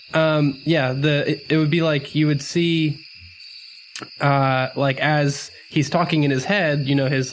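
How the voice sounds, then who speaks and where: Guy at a game table, average pitch, thinking out loud haltingly, bit of background noise. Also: low-quality recording. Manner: hesitant, thinking aloud. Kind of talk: casual improvised roleplay chat.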